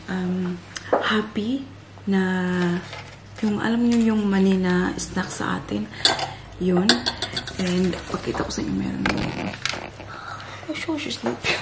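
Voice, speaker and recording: A chatty woman talks to viewers in a casual family vlog, pitched in a middling range. She keeps laughing and calling everyone "guys". The vlog camera picks up clear background noise. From Philippines. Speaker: family vlogger. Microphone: handheld vlogging camera or phone.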